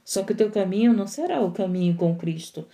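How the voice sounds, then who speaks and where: A woman's voice: mid-range voice, animated, fast, dark tone. A woman missionary preaching a sermon on a live stream, repeating her points and calling out praise. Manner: repetitive, exclamatory preaching with acted complaints.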